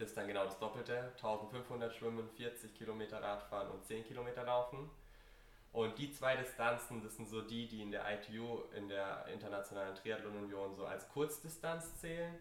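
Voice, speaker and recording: Amid noticeable background noise and audible room echo, a man speaks at a moderate pace at medium pitch with ordinary pitch variation. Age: 20s. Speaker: triathlete. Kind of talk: interview. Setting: in person.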